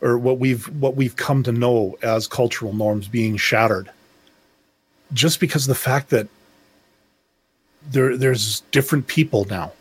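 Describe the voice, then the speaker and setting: Husky-voiced man in rambling discussion. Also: mid-range voice, a little slow, pauses often, no room sound. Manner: rambling, reflective, restarts often. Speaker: podcast co-host. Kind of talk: casual discussion.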